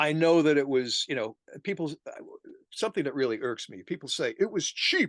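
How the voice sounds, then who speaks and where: A man speaks with a New York accent at a fairly quick pace. The sound is dry and close with no echo, over a quiet background. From New York City, the Bronx. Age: 70s. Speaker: author and Superman historian. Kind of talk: interview.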